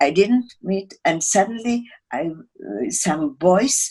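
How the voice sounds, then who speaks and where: Speaking very slowly with a Czech accent, a woman uses a medium pitch, a somewhat breathy sound and lively intonation. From Czechoslovakia. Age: 80s+. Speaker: Holocaust survivor. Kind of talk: interview answer.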